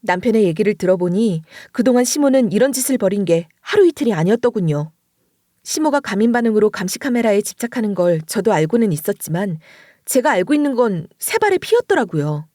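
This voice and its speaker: A woman narrating a dramatic first-person story in an expressive storytelling voice. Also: mid-range voice, brisk, no room sound, studio quality.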